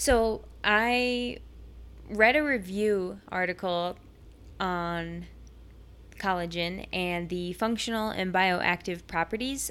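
A woman talks at a medium pitch. Her pitch variation is ordinary. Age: 20s. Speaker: solo podcaster on fitness and nutrition. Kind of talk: casual solo monologue. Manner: frequent fillers (um, like).

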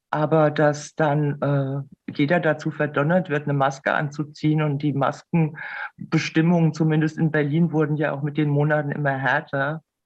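Her voice very deep and low, a woman speaks at a moderate pace with monotone, flat intonation and hardly any pauses. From Hesse, Germany. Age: 60s. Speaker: self-employed data protection consultant. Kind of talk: interview. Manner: hesitant, many fillers.

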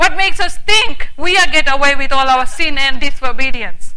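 This woman's raised, projected voice makes very wide pitch swings at a moderate pace. The room echo is audible. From Fiji, of Indian descent. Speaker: conference speaker. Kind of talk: sermon.

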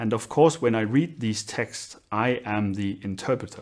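The speaker has a Danish accent. The pace is fairly slow. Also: man. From Denmark. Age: 30s. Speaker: Bible scholar. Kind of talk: interview.

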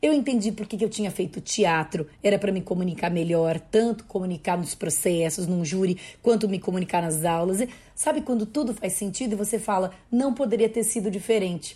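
A woman with a dark, mellow tone talks at a fairly quick pace and medium pitch, somewhat breathy and with ordinary pitch variation. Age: 40s. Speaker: criminal law professor. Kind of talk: interview.

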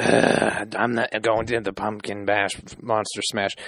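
Over light background noise, a man puts on a raspy character voice at a fairly low pitch and a fairly slow pace. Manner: whiny, low-energy.

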